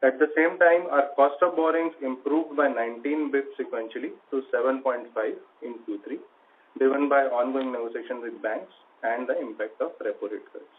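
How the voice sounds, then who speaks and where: A man with an Indian accent, speaking as a finance chief and reading through a prepared financial report. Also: medium pitch. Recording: noisy phone-like conference line.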